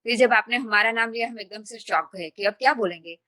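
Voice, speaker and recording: A woman's voice: a little high, fairly quick, bright, forceful tone. Woman earnestly sharing her nervousness. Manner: earnest, nervous confessional telling. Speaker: study group member. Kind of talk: casual group sharing.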